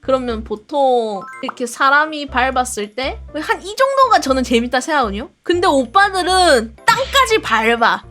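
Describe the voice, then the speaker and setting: A young woman streamer chatting casually and telling animated childhood stories with lots of laughter. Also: high voice, moderate pace, hardly any pauses, soft background music. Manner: animated storytelling with frequent laughs and acted-out shouts. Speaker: streamer reacting to videos and reading chat.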